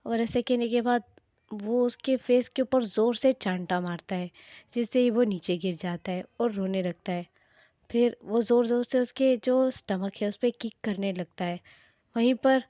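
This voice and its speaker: A woman's voice: a little high, unhurried, warm tone, no echo, studio quality. A woman retelling a fan fiction story in a chatty, plain way, speaking directly to her viewers.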